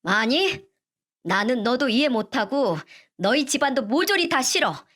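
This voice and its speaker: A young lawyer son in a storybook reading, firm and blunt when he speaks his mind, as a woman narrator reads him. The voice stays fairly high and close to the narrator's own. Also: expressive, unhurried, fairly bright tone, heavily acted.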